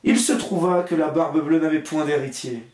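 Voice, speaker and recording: A man reading a fairy tale aloud as a bedtime story, steady and unhurried. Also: on the high side. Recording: roomy echo.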